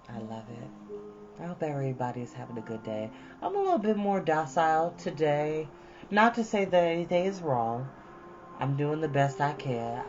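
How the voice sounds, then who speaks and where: A man's voice: mid-range voice, highs cut off. Earnest man chatting over music. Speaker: host of a storytime reading channel. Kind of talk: casual chat and expressive book reading.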